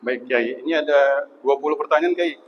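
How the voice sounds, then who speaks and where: A man's voice: medium pitch, steady tone, a little fast. A man hosting a talk show, politely reading out audience questions to his guest. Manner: polite, addresses the guest respectfully. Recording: dull muffled sound with faint noise.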